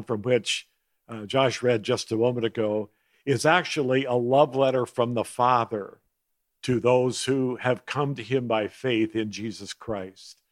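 A man preaching a sermon as a guest speaker, slowing down to lean on key words and clearing his throat now and then. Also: medium pitch, dry recording. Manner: measured preaching with slowed emphasis on key words.

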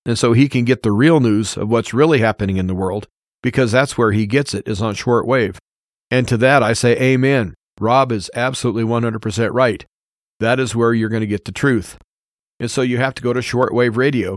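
A man's voice: mid-range voice, no echo, clean studio sound. An American man hosting a radio show, talking informally and giving his opinions in an earnest, plain-spoken way, often repeating points for emphasis.

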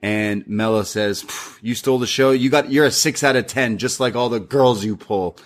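A young man casually recapping a wrestling show, retelling lines in a lively, animated way. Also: medium pitch, moderate pace. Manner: lively recap with acted-out quotes.

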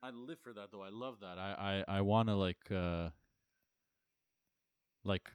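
Male podcast co-host, blunt teasing reactions, low smooth voice. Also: measured pace, no echo, studio quality. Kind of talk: casual chat.

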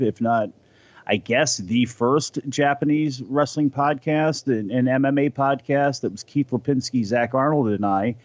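A man's voice: mid-range voice, no room sound. Man, podcast guest, rambling, self-interrupting, dull lo-fi sound, dry, recording from home. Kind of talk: casual podcast conversation. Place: home during a storm.

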